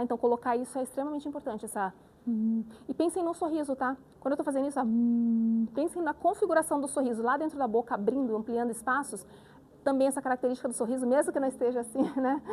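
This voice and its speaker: A woman speech therapist with a high voice gives a live lecture built around voice exercises. She is animated and demonstrative, frequently checking in with the audience.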